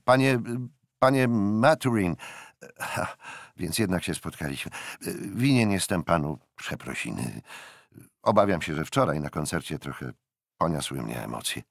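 A man voicing a hearty, boisterous young naval captain who talks loudly and jovially, with a low, husky, creaky voice that swings widely in pitch. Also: very animated, normal speed, no room sound, clean studio sound, heavily acted. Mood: apologetic. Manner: loud, jovial, breaks into laughter.

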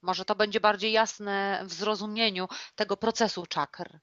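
A woman co-hosting a talk show as a clairvoyant, explaining her views slowly with restarts and examples. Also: medium pitch, fairly even intonation, a bit bright, dry recording, muffled recording. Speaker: clairvoyant co-host answering viewer questions. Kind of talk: casual studio chat.

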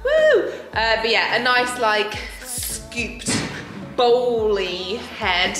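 Over music, a young woman who vlogs about riding horses chats casually in a horse barn, her voice on the high side, very animated, and extremely slow. She's bubbly and full of fillers, filmed up close on a handheld camera.

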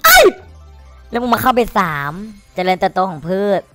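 A man giving excited, crude commentary while streaming a slot game, cursing and pleading at the screen. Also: high-pitched, normal speed, dry recording, faint music behind.

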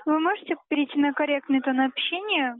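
A woman's voice: high voice, a little fast. A woman working as a bank telemarketer, formal, polite and persistent on a sales call. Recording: dry, tinny telephone line.

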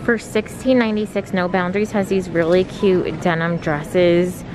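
A woman filming herself shopping for clothes in a large store, describing each item slowly, from a handheld phone. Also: lowish voice, steady tone, background noise. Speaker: fashion vlogger. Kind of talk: shop-with-me narration. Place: large retail store, indoors. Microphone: handheld phone filming the racks.

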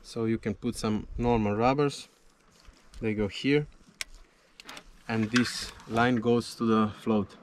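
A man's voice: fairly low pitch, steady tone, slow, long pauses, a little hiss or hum. A man in his thirties, an English speaker, explaining his spearfishing gear to the camera from a small boat out at sea, patient, with small grammar slips. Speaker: spearfishing vlogger. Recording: music underneath.

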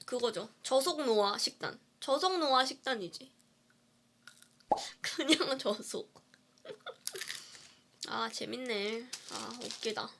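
A woman's voice: a little high, animated, slow, creaky, pauses often, fairly bright tone, slight background noise. A woman indie singer chatting casually on a livestream while eating, playful and giggly as she answers viewer comments. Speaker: indie singer live-streaming.

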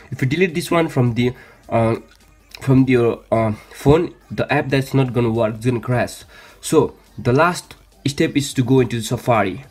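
Hesitant man giving tech tutorial. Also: mid-range voice. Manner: hesitant, repetitive phrasing with frequent stumbles. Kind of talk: casual how-to screen demonstration. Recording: music behind, some background noise.

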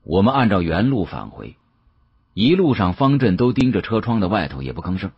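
A man narrating an audiobook as dramatic first-person storytelling, expressive and theatrical, with colloquial asides. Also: fairly low pitch, a little fast, breathy edge, dry recording, highs cut off.

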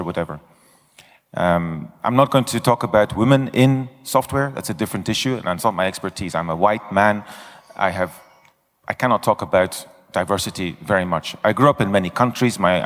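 Middle-aged male conference speaker, blunt and self-mocking, low voice, big reverberant hall. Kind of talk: conference talk and Q&A. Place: large conference stage. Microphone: handheld microphone.

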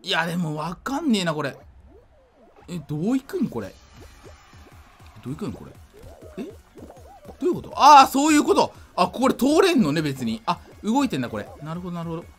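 A drunk man giving casual gameplay commentary, rambling, slightly slurred and excitable, often repeating himself. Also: high-pitched, a little fast, long pauses, faint music behind. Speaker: gaming video creator.

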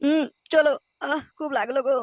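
A man's voice: extremely high pitch, fairly even intonation, normal speed, no room sound, rough recording. A man voicing a cheeky womaniser who plays innocent in a comedy cartoon, whiny and mocking, with a West Bengal accent. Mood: whining.

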